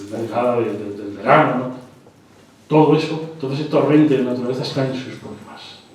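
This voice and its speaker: A man's voice: medium pitch, darkish tone. Man lecturing in an echoey hall. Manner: hesitant, with repeated words and restarts. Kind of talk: live literary lecture. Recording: echoey hall, mic far off.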